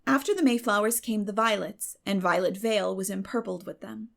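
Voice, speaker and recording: A woman's voice: mid-range voice, brisk, creaky. A woman giving a scripted, dramatic literary narration as an audiobook reader.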